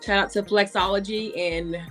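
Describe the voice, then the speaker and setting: A woman's voice: mid-range voice, steady tone, moderate pace, a bit bright, soft background music. A woman chatting on a podcast, upbeat and chatty, with an AAVE-flavored way of talking. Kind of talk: casual podcast chat.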